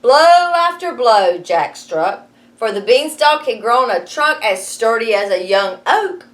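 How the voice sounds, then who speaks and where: A woman reads a storybook in a fairly high, very lively voice. She teaches as she goes, slipping in wry little asides to explain things. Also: slow pace. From United States. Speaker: schoolteacher reading aloud to students. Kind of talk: expressive storybook reading with asides.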